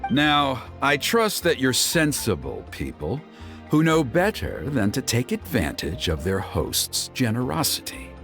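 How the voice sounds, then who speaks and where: A man playing a proud, middle-aged tribal elder and father in a video game, formal and blustering, halting when flustered. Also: medium pitch, fairly bright tone, exaggerated voice. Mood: guarded, stern.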